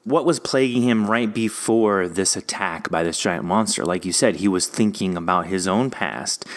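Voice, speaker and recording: A man with a fairly low voice hosts a casual podcast discussion. He talks earnestly, working out his thoughts as he goes. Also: moderate pace. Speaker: podcast host. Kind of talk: casual discussion of an audio drama episode.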